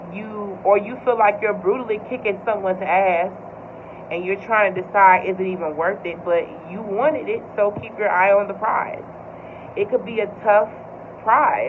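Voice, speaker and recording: A woman with an American accent talks at a moderate pace, at medium pitch for a woman with ordinary pitch variation. Her loudness swings widely, and there is noticeable background noise. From US Midwest, Chicago. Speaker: tarot reader. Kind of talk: tarot reading. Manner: casual, meandering with fillers.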